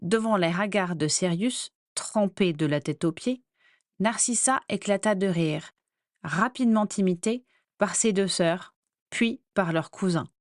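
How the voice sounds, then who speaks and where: A woman reading a fantasy story aloud as narrator, measured and clear. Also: medium pitch, dry recording, studio quality. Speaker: audiobook narrator. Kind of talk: scripted narration.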